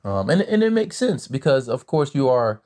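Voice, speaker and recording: A man's voice: medium pitch, big pitch swings, normal speed, a little mellow. A man hosting a podcast interview, speaking thoughtfully with many fillers and long questions. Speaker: podcast host. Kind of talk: conversational interview.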